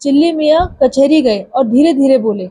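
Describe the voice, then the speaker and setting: A woman narrating a humorous folk tale in plain, even storytelling. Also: high voice, normal speed, a little hiss or hum.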